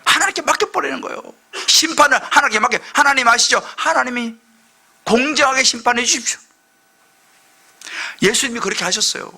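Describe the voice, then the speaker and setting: Impassioned high, bright-voiced preacher man. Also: a little fast, vocal fry, long pauses, husky. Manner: impassioned preaching that swings from loud outbursts to hushed asides. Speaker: senior pastor. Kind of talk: sermon.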